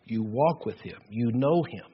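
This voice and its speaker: An older man preaching a sermon with a loud voice, earnest and emphatic, often repeating words as he builds his points. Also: medium pitch, expressive, measured pace, breathy edge. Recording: dull lo-fi recording.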